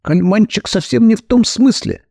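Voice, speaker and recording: A man's voice: sits high, normal speed, vocal fry, a little mellow, no echo, studio quality, voice pushed up. A man voicing a fussy, anxious older clerk who pleads and soothes.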